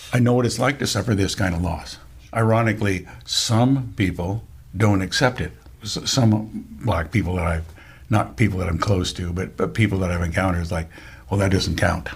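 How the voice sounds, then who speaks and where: A somewhat breathy man talks fairly quickly at a fairly low pitch, with ordinary pitch variation. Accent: Pacific Northwest. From Seattle area. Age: 70s. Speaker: interviewee. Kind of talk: casual chat.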